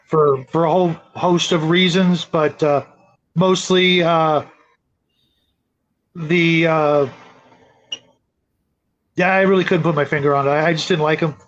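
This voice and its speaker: The audio is dull and lo-fi. A middle-aged man with a fairly high voice hosts a relaxed live chat. He rambles along hesitantly, often circling before he gets to his point. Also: a little slow, pauses often. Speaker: show host. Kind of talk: casual live-stream chat.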